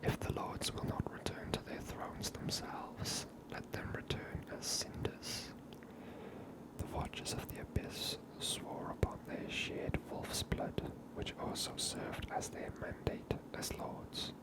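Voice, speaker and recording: A gamer giving gentle, hushed ASMR commentary over a video game, whispered close to the microphone. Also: slow, rough recording. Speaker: ASMR gamer, channel host.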